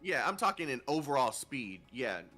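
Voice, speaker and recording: Bright-voiced man chatting on a stream. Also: medium pitch, normal speed, faint music behind. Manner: animated, laughs often, swears casually. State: just woke up. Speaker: livestream host. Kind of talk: casual gaming livestream chat.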